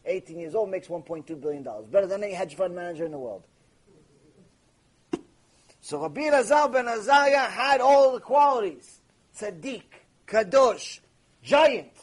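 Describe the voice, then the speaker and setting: Husky-voiced rabbi asking and answering himself. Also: male voice, high voice, expressive, moderate pace, long pauses. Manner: asks questions and answers them himself, emphatic and storytelling; mixes Hebrew terms into English. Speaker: rabbi teaching a Torah class. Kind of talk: lively recorded Torah lecture.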